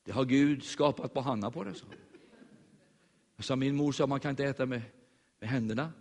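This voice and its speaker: A man preaching, telling a lively story and acting out the voices of the people in it. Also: mid-range voice, big-room sound. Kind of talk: sermon storytelling.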